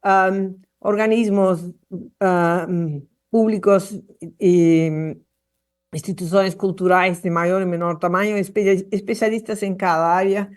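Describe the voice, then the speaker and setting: Woman addressing a hearing remotely, earnest, full of stops and restarts, mid-pitched. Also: steady tone, a little mellow. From Argentina. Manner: halting, many restarts and fillers; passionate, earnest. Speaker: guest speaker at a public hearing.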